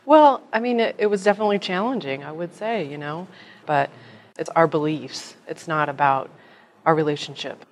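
Low-voiced woman chatting with faint background noise. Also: moderate pace. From Colorado. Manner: chatty, frequent "you know". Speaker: guest. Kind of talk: conversational interview.

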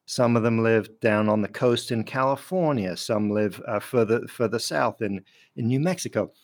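A man's voice: medium pitch, normal speed. A man from France, a biologist guest, explaining thoughtfully in a radio interview and chuckling now and then.

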